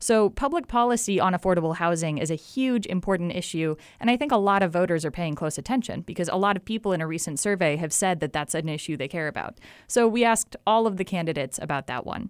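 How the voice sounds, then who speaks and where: The recording is very clean with a silent background. A woman talks very fast with lively intonation. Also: medium pitch for a woman, hardly any pauses. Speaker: radio reporter and interviewer. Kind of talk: radio interview.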